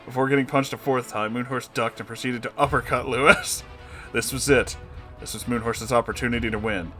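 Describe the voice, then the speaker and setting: A man's voice: medium pitch, fairly even intonation, brisk, sharp tone. Male storyteller with dramatic comic delivery, music behind. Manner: amused, breaking into laughing asides. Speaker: narrator, story reader. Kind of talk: dramatic comedic story narration.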